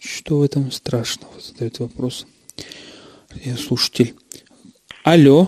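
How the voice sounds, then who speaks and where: A dark, mellow, somewhat breathy voice at a very slow pace, fairly even in intonation with long, frequent pauses, in a dry, close sound with no echo. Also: man, fairly high pitch for a man. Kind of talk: call-in radio show. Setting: studio.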